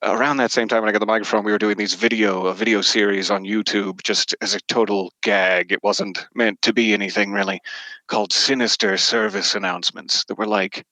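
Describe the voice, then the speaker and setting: A man's voice: on the low side, steady tone, fairly quick, pushed and bright, no echo, rough recording. A middle-aged man telling anecdotes as an interview guest in a casual, wryly self-deprecating way. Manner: self-deprecating, wry humour. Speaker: interview guest, podcast narrator.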